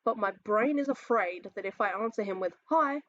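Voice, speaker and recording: A man's voice: high voice, lively intonation, moderate pace, fairly bright tone, no echo, dull audio. An Australian trans man with a feminine-sounding voice, ranting casually while reacting to memes, swearing often and rambling between sighs and laughs. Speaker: reaction video host.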